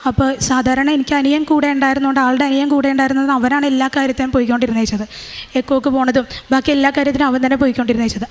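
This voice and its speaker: A young woman tells a personal religious testimony. Her voice sits high, and she speaks haltingly, pausing on fillers and restarting her phrases.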